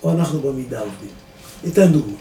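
A man, a rabbi giving a lively Torah lesson to a live audience, asking rhetorical questions and swinging between loud and soft. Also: mid-range voice. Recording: echoey room, distant mic, faint noise.

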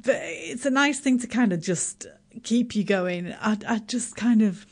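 A middle-aged woman from Yorkshire with a Yorkshire accent, chatting as a radio guest, self-deprecating and laughing often, with halting restarts. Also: fairly high pitch, expressive. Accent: Yorkshire English. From Yorkshire, England. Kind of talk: casual radio interview.

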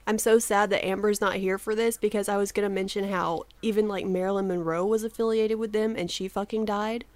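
A woman's voice: mid-range voice, steady tone, brisk, no echo. A woman in her thirties co-hosting a podcast in casual chat, laughing often and swearing freely, her voice a little sleepy. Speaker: podcast co-host.

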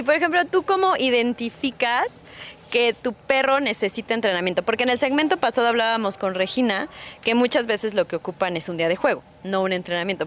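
A woman with a Mexican accent hosting a radio interview, upbeat and quick to laugh. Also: medium pitch, a bit bright, slight background noise. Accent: Mexican Spanish. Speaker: radio show host.

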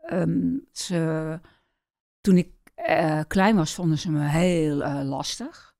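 Middle-aged woman from the Netherlands, low and gravelly, halting interview guest. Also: warm tone, no echo, clean studio sound. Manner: hesitant, many pauses and fillers. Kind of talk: personal life-story interview.

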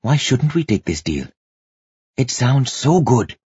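A man's voice: medium pitch, sing-song, slow, dark tone, slightly rough, no room sound, highs cut off, voice pushed up, full character voice. A man voicing a brooding young tribal chief musing inwardly in a fantasy audiobook. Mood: weary, hopeful.

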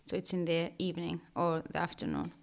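Gravelly-voiced interviewer, non-native English. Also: female voice, fairly low pitch, animated. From Western Sahara refugee camps. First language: not English. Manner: halting, searching for words. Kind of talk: conversational interview.

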